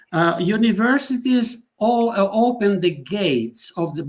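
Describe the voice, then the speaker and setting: A man speaks with a Czech accent. His intonation is lively. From Czech Republic. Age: 70s. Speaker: former church member, guest. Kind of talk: casual chat.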